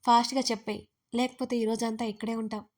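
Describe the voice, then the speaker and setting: A woman's voice: on the high side, fairly even intonation, a little fast, lightly acted. A woman voicing an arrogant, bossy young male businessman who gives commands in a teasing way in an audio story.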